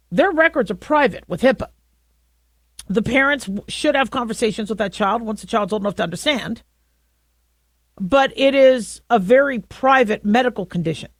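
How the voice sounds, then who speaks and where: A middle-aged woman with a deep voice hosting a talk radio show, talking through her views in a conversational way with frequent restarts. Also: dry recording. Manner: conversational, halting with many restarts. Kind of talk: opinionated talk radio monologue.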